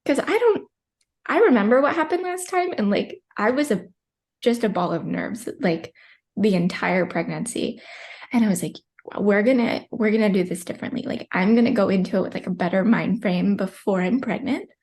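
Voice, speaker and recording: On a podcast, a woman in her twenties tells the story of giving birth in a chatty, emotional way, leaning on fillers and lots of "likes." Her voice is mid-range and somewhat dark, her pace moderate, and she becomes tearful now and then.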